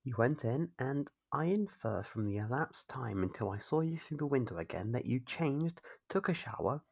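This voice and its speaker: A performer voicing a possessive, obsessive captor in an ASMR roleplay, mockingly doting and scolding, with coaxing questions and a husky, creaky voice. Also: mid-range voice, lively intonation, darkish tone. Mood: doting, smug. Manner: coaxing, chiding, drawn-out teasing questions. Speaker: voice actor.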